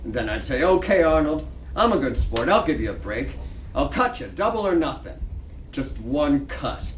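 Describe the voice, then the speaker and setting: A man as a dreamy night clerk, swooping pitch. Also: very animated, normal speed. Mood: awed daydreaming. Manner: musing to himself, eager and deferential. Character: bored hotel night clerk, dreamy, starstruck, dutiful man. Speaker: actor in a staged play reading. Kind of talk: dramatic reading of a stage play. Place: library reading room. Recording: distant echoey room, faint noise.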